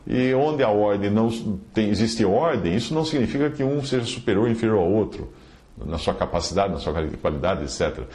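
A man with a fairly low voice works through a listener's letter, quoting scripture and citing chapter numbers. His pitch rises and falls widely as he stresses his points. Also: lively intonation, brisk, a little mellow. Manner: emphatic, quotes scripture and chapter references. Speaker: Bible teacher answering a listener. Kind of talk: podcast commentary reading a listener's letter.

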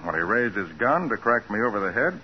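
An actor playing a cool, tough private detective, wry and composed, in a 1940s radio crime drama. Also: male voice, fairly low pitch, very animated, brisk. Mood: wry satisfaction. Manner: wry, composed, matter-of-fact. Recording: muffled, hissy 1940s radio recording.

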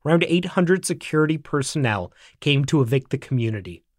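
A man narrating an investigative report in scripted, measured form. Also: fairly high pitch, no echo, studio quality. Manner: measured, even delivery. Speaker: documentary narrator.

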